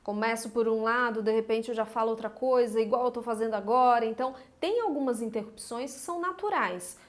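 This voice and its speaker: A woman from Minas Gerais with a Mineiro accent, giving a lively, emphatic video lesson as a speech coach, with humorous asides. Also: a little high. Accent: Mineiro Brazilian Portuguese. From Minas Gerais, Brazil.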